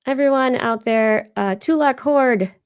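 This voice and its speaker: A woman co-hosting a podcast, hoarse, chatting in a rambling, casual way with soft asides. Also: high voice, a little slow, no room sound. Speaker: podcast co-host. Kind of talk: casual chat.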